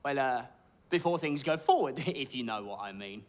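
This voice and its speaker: An actor playing a shy, earnest young working-class man with new money. He talks in a halting, sincere way, and his pitch rises and falls in lively swings. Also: natural voice. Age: young adult.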